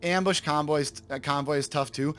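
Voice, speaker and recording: A man with a slightly raspy voice from a sore throat, casually commenting on his game for viewers and thinking aloud as he corrects himself. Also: a little high, moderate pace, fairly bright tone, slight background noise. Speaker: let's play host.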